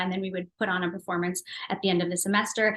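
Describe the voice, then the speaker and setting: Bright and sharp in tone, a woman speaks with a Spanish accent. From Mexico. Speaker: TV host and opera singer. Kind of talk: casual interview chat.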